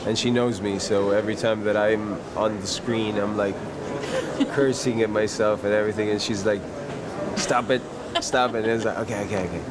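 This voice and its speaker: A male actor chatting in a festival interview, halting often and laughing easily. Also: on the low side, steady tone. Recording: loud outdoor traffic noise.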